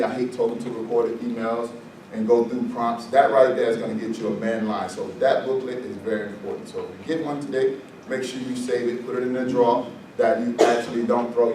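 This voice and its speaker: A man from the Virgin Islands talks to a roomful of people about fire safety, chatty and quick to joke. His voice sits at an ordinary pitch and reaches the mic from a distance, with the room ringing around it. A steady hiss of noise runs underneath. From U.S. Virgin Islands (St. Croix). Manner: joking, chatty, loose and conversational. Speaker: fire department safety presenter. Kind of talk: informal presentation to a seated group. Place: meeting room with an audience. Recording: echoey room, mic far off, noisy background.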